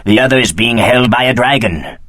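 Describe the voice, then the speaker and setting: A man voicing a solemn, apologetic village holy man in a fantasy video game, telling of his land in formal, measured phrases. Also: mid-range voice, fairly bright tone, dry recording, close to an everyday voice. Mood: earnest, advising. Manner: formal, grave, measured storytelling.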